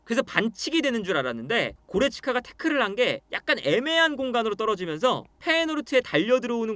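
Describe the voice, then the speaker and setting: Lively high-voiced Korean football analyst man. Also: no room sound. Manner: explanatory, walks through replay scenes. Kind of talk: match analysis commentary.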